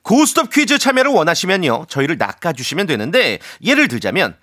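A man's voice: a little high, sing-song, a little fast, sharp tone. A man co-hosting a radio quiz in a game show host manner, announcing rounds, questions and prizes.

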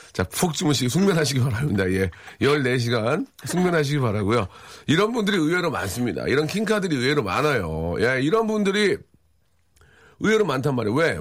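A man in his forties hosts a live radio show, reading listener messages and chatting casually. His humor is dry and teasing, with a deadpan delivery. The studio sound is close and dry, and his voice sits at an ordinary male pitch. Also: fairly quick, no room sound. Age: 40s. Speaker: radio host. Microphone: studio microphone.

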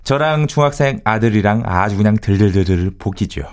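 A man's voice: lowish voice, animated, a little fast, a little mellow. A man who is a singer, co-hosting a radio show, reading letters and chatting agreeably. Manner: agreeable, frequent backchannel replies. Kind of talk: casual radio chat.

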